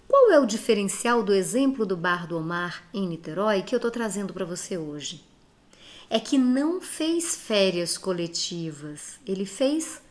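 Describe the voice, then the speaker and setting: Woman, from Brazil, has a cold, earnest, emphatic, direct-address motivational talk. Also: medium pitch. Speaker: speaker giving reflections to followers.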